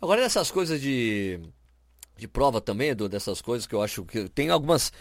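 A man's voice: mid-range voice, a little fast, no room sound, studio quality. A man with a Brazilian accent, telling anecdotes in casual chat on a podcast and acting out the people he quotes. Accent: Brazilian Portuguese. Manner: animated, acts out quoted people. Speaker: podcast host.

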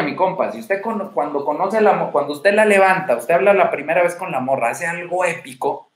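A man's voice: sits high, echoey room. A man in his thirties with a Mexican Spanish accent, giving dating advice in slangy, casual livestream talk and telling stories to his viewers. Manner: slangy, storytelling, addresses viewer as buddy.

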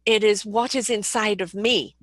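A woman hosting an interview, animated and encouraging, who laughs often while asking questions. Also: mid-range voice, moderate pace, no room sound, clean studio sound. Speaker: interview host. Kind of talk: conversational interview.

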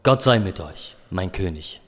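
An actor playing a measured medieval archbishop in an audio drama, a calm and deferential royal counsellor. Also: male voice, deep voice. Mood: reverent. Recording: long churchlike reverb.

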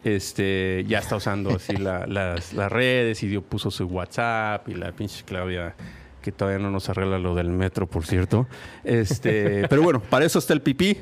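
A man's voice: fairly low pitch, normal speed. A young Mexican man hosting a casual chat, slangy and laughing, with constant filler words between phrases. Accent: Mexican Spanish. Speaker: podcast host.

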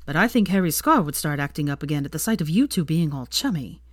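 An earnest young wizard voices his worries, as a woman reads him. His pitch climbs high when he gets anxious. The sound is close and dry. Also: animated, fast talker, no echo. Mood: worried.

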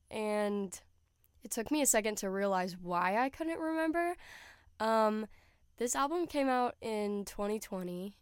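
Young woman, podcast host, nasal, stuffy nose, chatty with fillers, smooth voice, dry close mic. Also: mid-range voice, no room sound. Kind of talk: casual solo podcast chat.

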